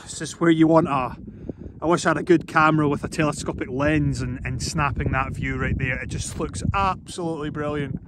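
An enthusiastic, awestruck man casually narrating his hike outdoors in an exclamatory way. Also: mid-range voice. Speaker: hiking vlogger. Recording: noisy outdoor handheld recording.

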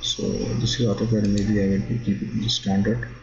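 A drafting instructor narrates a screen-recorded software tutorial, his fairly low voice level in tone and captured on a lo-fi mic that sounds dull. He speaks haltingly, with non-native phrasing, and says "okay" often.

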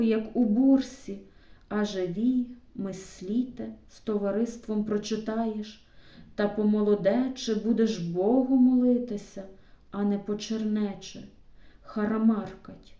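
A woman voicing an old Cossack father who gives slow, world-weary advice to his son in an audiobook reading. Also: on the high side, warm tone, roomy sound, far from the mic, natural voice.

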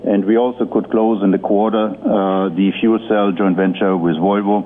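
A male executive giving a formal, somewhat halting prepared presentation on an earnings conference call. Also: lowish voice, steady tone. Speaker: company executive. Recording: muffled phone-line audio with noise.

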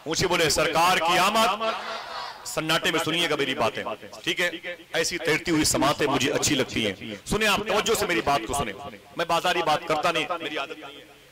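Man preaching to a huge crowd, dramatic storyteller, keeps getting the crowd to shout back, loud crowd noise all around. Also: lively intonation, brisk. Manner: dramatic storytelling, rising to impassioned high cries, calls on the crowd to respond. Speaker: Islamic preacher. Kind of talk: emotional religious sermon to a live gathering.

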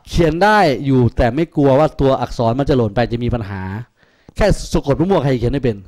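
Teaching math to a class, a man from Thailand speaks at medium pitch with an animated, brisk delivery and a warm tone. The tutor's lecture is sprinkled with crude jokes aimed at teasing his students.

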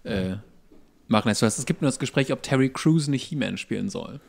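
A man, co-hosting a casual podcast. His voice is gravelly with plenty of fry, and he delivers dry, deadpan quips at a middle pitch. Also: a little fast. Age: 40s. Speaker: podcast co-host. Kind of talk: casual comedic chat.

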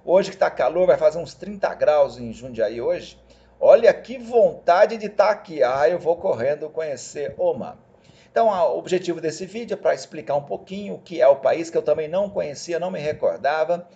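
A man talking casually and persuasively to viewers over a screen recording, chatty and animated. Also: fairly high pitch, normal speed, highs cut off. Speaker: job placement agency host.

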